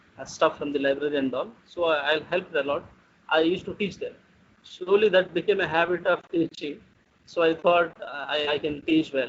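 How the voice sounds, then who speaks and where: With a South Indian accent, a man talks at a fairly quick pace, his fairly high pitch held in a fairly even intonation. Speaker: teacher. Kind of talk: interview conversation. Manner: halting.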